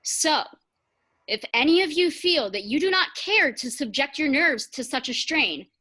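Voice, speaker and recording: A woman's voice: high-pitched, expressive, a little slow, sharp tone. A woman giving a mock-solemn, theatrical warning in the manner of an old film prologue. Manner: formal, theatrical.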